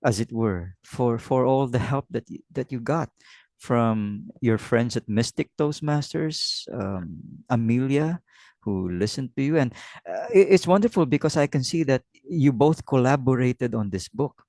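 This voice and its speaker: Host: man of middle pitch, measured and explanatory, close dry sound. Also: expressive, darkish tone, dry recording. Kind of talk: interview.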